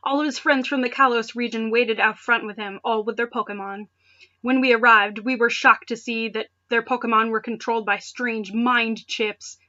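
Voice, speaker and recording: A woman with a bright, fairly high voice reads a story aloud and keeps stepping out of it to comment. Her manner is conversational and sarcastic. The home recording sounds slightly dull and lo-fi. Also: steady tone, normal speed. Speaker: reader of amateur fan fiction for videos. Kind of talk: mocking dramatic reading with casual asides.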